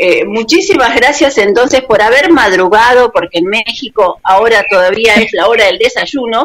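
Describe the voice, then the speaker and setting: The speaker talks at a fairly slow pace with an Argentine accent. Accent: Argentine Spanish (Rioplatense). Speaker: radio host. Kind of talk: radio talk show. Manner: serious.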